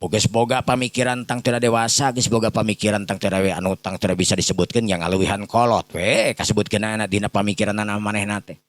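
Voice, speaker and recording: Male storyteller, Sundanese accent, lowish voice, close dry sound, informal rambling folk-tale delivery. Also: flat delivery, fast, hardly any pauses, dry recording. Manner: rambling, repetitive, often addressing listeners.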